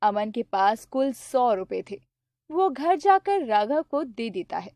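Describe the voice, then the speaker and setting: Woman narrating a cartoon story, high-ish voice, super dry close mic. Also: takes it slowly, no echo. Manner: steady, plain telling.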